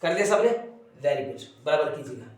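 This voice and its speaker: Echoey, high-voiced male English teacher. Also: lively intonation, a little fast. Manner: repeats key phrases, drills pronunciation. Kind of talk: classroom grammar lesson. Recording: echoey room, from a distance.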